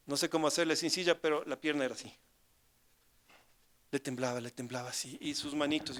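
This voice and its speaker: An older man preaching a sermon, telling a story and asking the congregation rhetorical questions, swinging from loud declarations to hushed asides. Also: fairly high pitch, clear, resonant tone. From Ecuador. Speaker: pastor.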